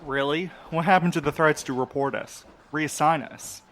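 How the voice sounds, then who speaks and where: An actor playing a sceptical, grumbling postal worker in an audio drama, blunt and questioning. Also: male voice, fairly high pitch, moderate pace, a bit bright, a little hiss or hum.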